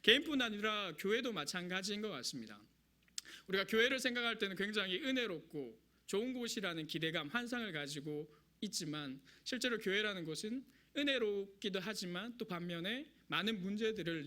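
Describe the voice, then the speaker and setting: Young male preacher, regional Korean accent, high, bright voice, nervous humor. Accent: Korean regional dialect. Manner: self-deprecating, conversational, nervous humor. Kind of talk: sermon. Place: church sanctuary.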